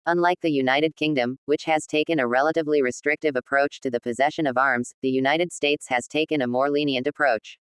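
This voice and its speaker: Scripted read-aloud, exam practice model, crisp smooth voice, dry recording. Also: mid-range voice, steady tone, fairly quick, hardly any pauses, no room sound.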